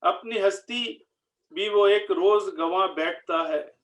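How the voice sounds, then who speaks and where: A high-pitched male voice recites verse at a literary gathering. He moves very slowly and with measure through each couplet, often saying a line twice. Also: fairly bright tone. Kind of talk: slow Urdu ghazal recitation.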